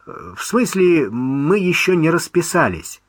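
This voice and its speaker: A man's voice: fairly high pitch, sing-song, slow, no echo, studio quality, voice pushed up, exaggerated voice. A man voicing a young man talking to his mother on the phone, affectionate and a little ironic. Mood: ironic, soothing.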